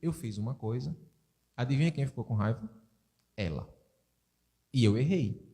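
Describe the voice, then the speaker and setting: A man's voice: mid-range voice, expressive, normal speed, mellow. A man giving a spiritist sermon, telling stories and asking his audience rhetorical questions. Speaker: spiritist lecturer.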